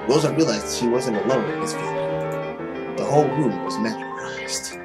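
Young man narrating over loud music. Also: mid-range voice, normal speed. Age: young adult. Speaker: gaming video host. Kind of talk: dramatic read-aloud narration of a visual novel. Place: small room at home, indoors. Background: loud game music.

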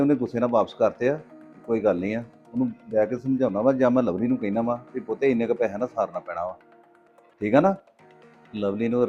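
A middle-aged man playing a patient farmer father who gives calm advice. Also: medium pitch, close to an everyday voice. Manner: calm, advising, measured. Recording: dull lo-fi sound with faint music.

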